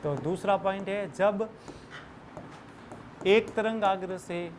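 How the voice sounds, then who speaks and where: High-voiced Hindi physics teacher quizzing students. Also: male voice, fairly even intonation, slow, slight background noise. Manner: quizzes students constantly, calls them beta, jokes and laughs with the class. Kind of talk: classroom lecture with call-and-response questions. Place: classroom with students.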